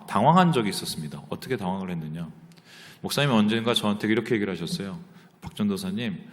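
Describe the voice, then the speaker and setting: A male pastor giving a Sunday sermon in a church sanctuary, telling stories animatedly and moving between hushed and loud passages. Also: mid-range voice. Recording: long church reverb.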